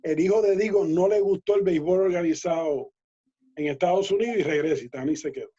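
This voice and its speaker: A man, a guest telling lively baseball anecdotes in a casual interview, laughing and acting out quoted dialogue. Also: sits high, fast, breathy edge. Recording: dull lo-fi audio.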